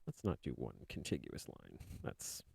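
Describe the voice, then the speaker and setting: Male artist streamer, deep soothing voice, rambling easygoing chat with fillers, dry close sound. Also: sing-song, normal speed, gravelly, breathy edge, dry recording. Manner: rambling, soft-spoken, many fillers. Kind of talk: casual chat while drawing on a live stream.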